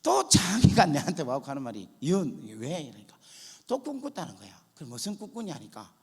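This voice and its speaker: A male pastor preaching a testimony sermon, acting out prayers and conversations, dropping to a hush and then rising to loud cries. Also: a little high, wildly swooping pitch, fast talker, husky, long reverb tail. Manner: dramatic, acts out prayers and dialogue, swings from hushed to loud. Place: church sanctuary.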